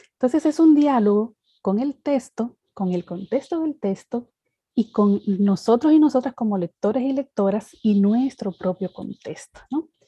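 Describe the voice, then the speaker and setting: A woman with a fairly high pitch, dark, mellow tone and lively intonation, at a fairly slow pace, in a dry, close sound with no echo. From Dominican Republic. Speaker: theology lecturer. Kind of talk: online course lecture.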